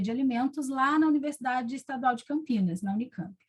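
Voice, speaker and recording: Lively, bouncy intonation from a woman with a high voice, delivered fairly quickly. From interior of São Paulo state, Brazil. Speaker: nutrition professor. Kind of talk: podcast interview. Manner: hesitant, many fillers.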